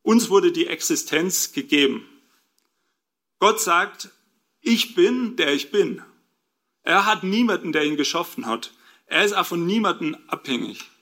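A man's voice: high-pitched, expressive, unhurried, pauses often, bright, forceful tone. A man preaching a sermon, explaining scripture and asking his listeners rhetorical questions.

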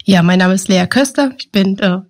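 Guest: thirties woman, reflective, hesitant delivery, mid-pitched. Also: normal speed, darkish tone. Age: 30s. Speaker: guest, team coordinator. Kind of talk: interview conversation.

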